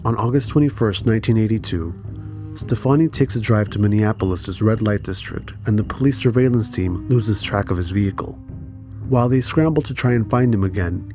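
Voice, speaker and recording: True crime narrator, male, lowish voice, measured and serious scripted delivery, music underneath. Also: darkish tone.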